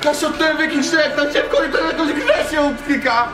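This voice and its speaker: A man's voice: very high-pitched, fairly quick, over loud music. A young man in a spooky adventure vlog, talking in an agitated, bewildered way. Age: young adult. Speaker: vlogger. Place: abandoned concrete ruins.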